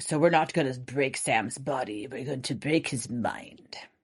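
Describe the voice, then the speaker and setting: In a put-on character voice, the speaker talks at a moderate pace with a low-to-middle pitch. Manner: menacing.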